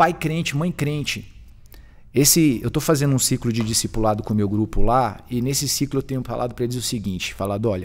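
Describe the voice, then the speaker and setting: A man with an ordinary speaking voice talks fairly quickly, his pitch varying in an ordinary way. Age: 40s. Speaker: pastor; pastor, podcast guest or host. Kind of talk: casual chat. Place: studio. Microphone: studio mic.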